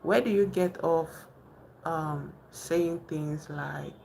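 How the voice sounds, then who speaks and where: A woman's voice: low voice, takes it slowly, vocal fry, a little mellow, a little hiss or hum, rough recording. A young Nigerian woman with a Nigerian accent, hosting a casual live stream, chatting with viewers and thinking aloud with many fillers and restarts. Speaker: livestream host.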